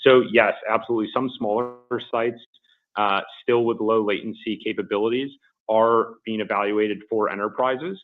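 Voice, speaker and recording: A man speaking as a company executive, giving measured, businesslike answers on an earnings call. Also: on the low side, steady tone. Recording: muffled phone-like conference line.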